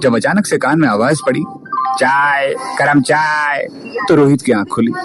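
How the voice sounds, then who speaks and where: A man's voice: mid-range voice, fast. Storytelling man over music. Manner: lively, colloquial. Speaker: narrator. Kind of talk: storytelling narration.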